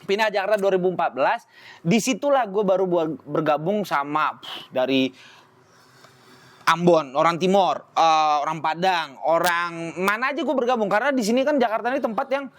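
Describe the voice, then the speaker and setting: A young man born in Spain and raised in Bali, speaking Indonesian with a Medan-style accent, telling his story in an animated, slangy way as a podcast guest. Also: high-pitched, moderate pace. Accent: Indonesian with a Medan-style lilt. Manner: animated, slangy, jumps into voices and sung bits. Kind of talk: casual storytelling chat.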